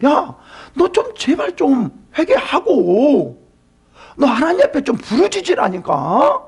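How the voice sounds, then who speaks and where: Pastor putting on a hectoring scolding friend. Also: male voice, extremely high pitch, wildly swooping pitch, creaky, voice pushed up, exaggerated voice. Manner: hectoring, impatient, rapid-fire rhetorical questions. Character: self-righteous male friend scolding a sufferer.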